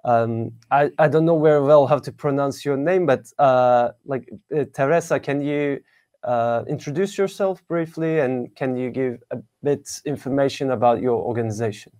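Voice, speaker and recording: A man's voice: mid-range voice, normal speed, a little mellow. A man with a Turkish accent hosting an interview in English as a second language, searching for his words as he goes. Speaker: interviewer, programme host. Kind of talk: interview questions.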